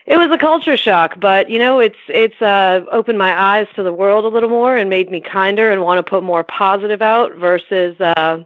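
A woman's voice: medium pitch, moderate pace, few pauses, no echo. A middle-aged American woman from Maine, chatting casually in a laid-back, candid way. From Maine, USA. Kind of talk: casual chat. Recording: narrow phone-like line, dry.

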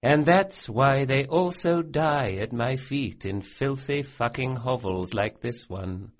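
A man's voice: medium pitch, slow pace, muffled recording, pitched above the performer's own voice, lightly acted. A man voicing a smug, cruel male sorcerer who sneers and relishes every cruelty. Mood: gloating.

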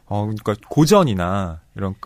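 A man's voice: fairly low pitch, sing-song, normal speed. A man co-hosting a book podcast in a casual, chatty style. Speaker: podcast co-host, literary critic.

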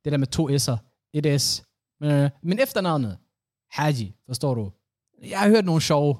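A young man co-hosting a podcast in casual chat, jokey and quick to laugh, trailing off with fillers. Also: on the high side, lively intonation, a little mellow, dry recording, studio quality. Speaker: podcast co-host.

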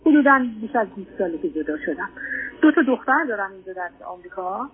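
Through a thin, tinny telephone line comes a mature woman with an Iranian Persian accent and a mid-pitched voice. She is a caller giving a personal account, hesitant and polite, with a deferential way of speaking. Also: big pitch swings. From Iran. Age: 50s or older. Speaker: caller seeking advice. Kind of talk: personal account on a radio advice call. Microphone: phone call to a radio show. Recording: tinny narrow-band phone line.

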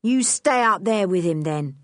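A woman's voice: mid-range voice, animated, a little slow, dry recording, studio quality, lightly acted. A woman voicing a bullying, threatening male crook in a children's adventure storybook. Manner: menacing, bossy.

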